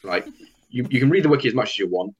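A man's voice: medium pitch, expressive, very fast, slightly rough. A man guest chatting casually on a podcast, rambling and acting out what people say to him. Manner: rambling, acts out quoted dialogue. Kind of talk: casual chat. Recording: dull, lo-fi sound.

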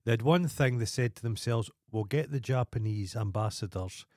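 A man's voice: medium pitch, moderate pace, darkish tone, no room sound, studio quality. A Scottish man co-hosting a podcast, telling rambling sweary stories in casual banter. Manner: rambling, sweary storytelling with wild sung outbursts. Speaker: podcast co-host.

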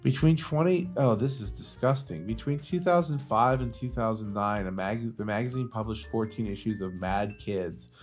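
A man's voice: on the low side, normal speed, hardly any pauses, darkish tone. Casual, profane man chatting over music. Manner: profane, opinionated, slangy. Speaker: podcast host. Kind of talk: casual chat.

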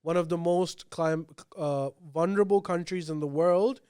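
A man from Pakistan, a native Urdu speaker, co-hosting a casual podcast. His voice is fairly high for a man and smooth, and it sits close and dry on the mic. He explains at length in loose, informal runs. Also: normal speed, warm tone, dry recording. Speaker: podcast co-host.

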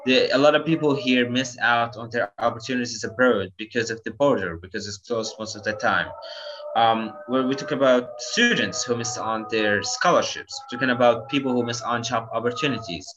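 A man's voice: mid-range voice, normal speed. A man in his twenties from Gaza, Palestine, giving earnest personal testimony in an interview, filling his speech with "like" and "you know". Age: 20s. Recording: slightly dull audio with clear background noise.

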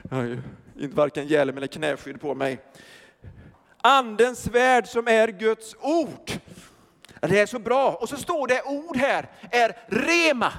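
An older man preaching a sermon as pastor, lively, joking and putting questions to the congregation. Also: extremely high pitch. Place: church hall. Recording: long reverb of a church hall.

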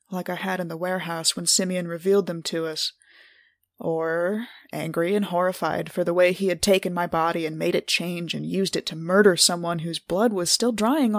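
A woman playing an introspective, unsettled adventurer, narrating her own story in reflective, measured, literary phrasing with deliberate pauses. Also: lowish voice, no room sound, studio quality. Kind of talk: scripted first-person narration for an actual-play podcast.

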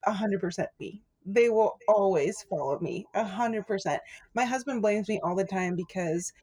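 A woman's voice: medium pitch, normal speed, warm tone. A woman guest who grew up speaking Spanish, chatting casually in an interview and telling her story with lots of laughter. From California.

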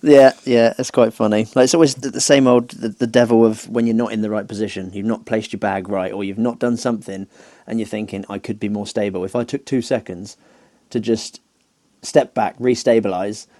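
A man chatting casually on a podcast, easygoing and quick to agree and chuckle. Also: on the low side, steady tone, dark tone, dry recording, studio quality.

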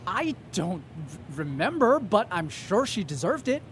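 Touchy, animated young Asian American guy. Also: high voice, a little slow, a little hiss or hum. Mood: defensive. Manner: evasive, sarcastic, self-justifying. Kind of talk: comedic audio drama acting.

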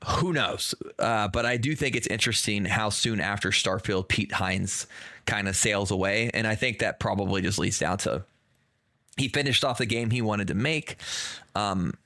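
Hoarse man on a podcast. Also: on the low side, moderate pace, sharp tone, dry recording, clean studio sound. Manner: rambling, filler-heavy, says y'all. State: hoarse, losing his voice from illness. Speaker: podcast co-host. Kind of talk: casual gaming podcast chat.

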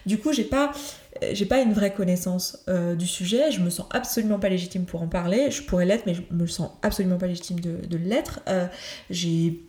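A woman's voice: lowish voice, moderate pace, warm tone, echoey room. A woman hosting her own coaching podcast, talking earnestly and hesitantly, with many fillers and restarts. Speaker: podcast host, certified coach. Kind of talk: solo podcast talk.

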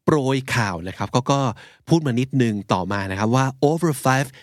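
Relaxed man hosting a podcast. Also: mid-range voice, normal speed, no echo, clean studio sound. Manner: relaxed, explains terms patiently, mixes in English phrases. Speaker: podcast host. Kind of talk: casual bilingual chat explaining English words.

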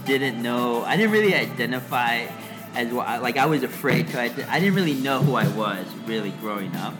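A man's voice: mid-range voice, expressive, brisk, over music, poor audio. A young man from Los Angeles answering interview questions casually, full of fillers and restarts. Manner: hesitant, lots of "like" and "uh". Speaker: interview guest.

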